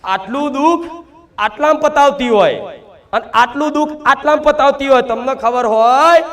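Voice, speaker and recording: Very high-voiced man preaching as goddess. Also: fairly bright tone. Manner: earnest preaching, full of rhetorical questions. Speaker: devotee speaking as the mother goddess. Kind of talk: devotional sermon in the goddess's voice.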